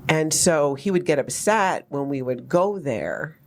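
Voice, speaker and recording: A woman in her fifties from Hawaii, hosting a podcast and telling her own life story in a candid, wry, animated way with lots of asides. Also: deep voice, unhurried. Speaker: podcast host. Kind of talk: personal storytelling chat.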